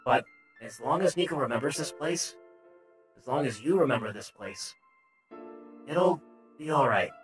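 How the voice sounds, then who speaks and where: A hesitant computer entity speaks in a glitchy voice, its pitch jumping and stuttering, put on by a man. It sounds gentle and a little lost, with its phrases breaking off. There is faint music behind it. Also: expressive, moderate pace, long pauses. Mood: tender. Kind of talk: voicing a character in a game playthrough.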